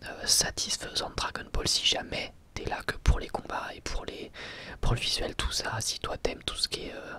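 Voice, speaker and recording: A man whispering a casual, hesitant ASMR commentary in a breathy, unvoiced voice. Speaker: ASMR video creator giving film opinions.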